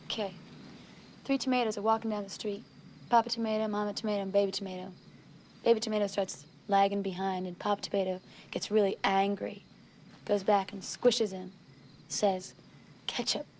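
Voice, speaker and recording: A woman playing a deadpan young woman. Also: mid-range voice, normal speed, a little hiss or hum, lightly acted. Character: cool young woman telling a corny joke.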